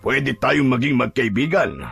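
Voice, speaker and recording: A man voicing a calmly menacing aswang monster in a horror audio drama, with a deep, husky, gravelly voice and slow, controlling delivery. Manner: slow, measured, coaxing yet firm. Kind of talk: Filipino radio-style horror drama acting.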